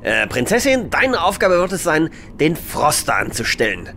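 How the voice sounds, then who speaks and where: An actor playing a hot-headed, self-important space captain in a comedy audio drama, excitable and theatrical. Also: male voice, fairly high pitch, moderate pace, a little hiss or hum, full character voice. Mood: bossy. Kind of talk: comic sci-fi audio drama acting.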